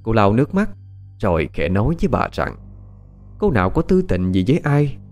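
Low guy reading a folk tale aloud, lots of ups and downs in his voice, soft music under it. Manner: measured, expressive storytelling. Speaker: storyteller. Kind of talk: audio story narration. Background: faint background music.

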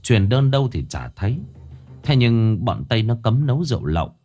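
A man narrating a folk ghost story in a dramatic, expressive way. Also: medium pitch, fairly quick, soft background music.

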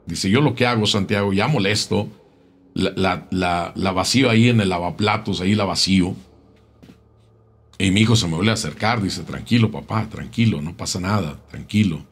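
A man telling a local tale in a casual, unhurried way, often repeating words as he goes. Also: deep voice, husky. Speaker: storyteller.

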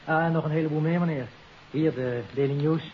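A man's voice: fairly high pitch, fairly even intonation, brisk, natural voice. An actor playing a chatty, deferential male household servant in a 1950s radio drama. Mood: chatty, eager. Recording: muffled 1950s radio recording with hiss.

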